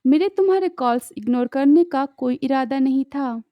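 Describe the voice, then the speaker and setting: A woman's voice: high voice, normal speed, no echo, highs cut off, close to an everyday voice. A woman voicing an embarrassed young man who protests and panics, read out in a drama recap. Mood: apologetic.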